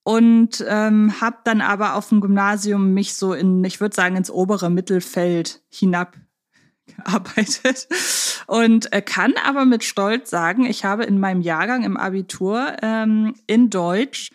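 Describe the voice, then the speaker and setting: A woman's voice: mid-range voice, unhurried. A woman co-hosting a podcast in a casual, humorous, chatty style. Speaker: podcast host.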